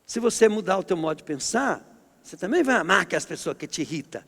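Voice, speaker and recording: A middle-aged man from Brazil preaching a sermon as pastor, with an emphatic, forceful way of speaking. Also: high voice, sing-song, fast talker, creaky. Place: church hall. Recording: long hall reverb.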